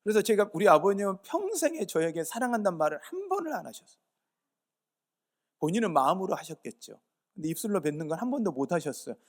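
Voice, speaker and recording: A man from Yeosu in South Korea, speaking as a pastor in a slightly high voice. He preaches a sermon earnestly. He keeps putting questions to the congregation and answering them himself. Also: very animated, quick pace. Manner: earnest, urging. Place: church service.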